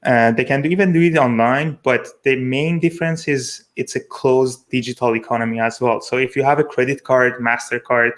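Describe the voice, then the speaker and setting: A man, a Persian speaker, talks as a panelist in a medium-pitched voice. He explains things informally, peppering his sentences with filler words. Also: fairly even intonation, moderate pace, few pauses, fairly bright tone. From Iran. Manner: informal, frequent "like" while explaining. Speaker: panelist, blockchain security engineer. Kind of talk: casual explanatory panel talk.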